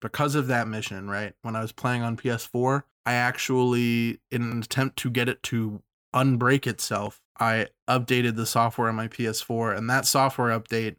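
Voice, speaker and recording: A man co-hosting a casual podcast, playful and self-mocking, his voice hoarse from a sore throat. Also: medium pitch, steady tone, normal speed, few pauses, fairly bright tone, no echo, studio quality. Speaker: podcast co-host. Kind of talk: casual chat.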